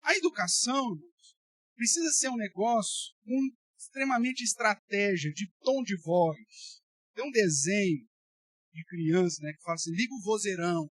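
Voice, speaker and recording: Speaking at normal speed in a voice that sits high, a Brazilian Portuguese-accented pastor leads a Bible study. His sermon is emphatic and colloquial, and he addresses listeners bluntly. The recording has no room sound.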